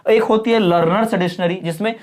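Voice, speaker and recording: A woman teacher giving an exam-prep lecture. She reads English definitions slowly, explains them, and often stops to check that her students understand. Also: medium pitch, darkish tone. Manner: keeps checking understanding with quick questions.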